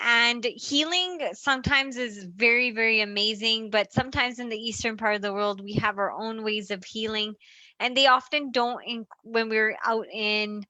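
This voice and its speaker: A woman hosting an online webinar over a video call, introducing a guest and talking with many small filler pauses. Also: fairly high pitch, sharp tone, dry recording. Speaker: host.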